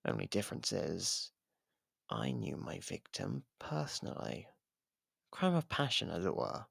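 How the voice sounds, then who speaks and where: A low, heavily creaky voice, acted by a man, for a sardonic murderer behind bars in an ASMR roleplay. He taunts with theatrical pauses and a swooping, husky delivery, right up close on the microphone. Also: huge pitch swings, a bit bright, no room sound, heavily acted. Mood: menacing. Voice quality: gravelly, husky. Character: taunting, sardonic imprisoned murderer baiting a detective. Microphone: close microphone, dry.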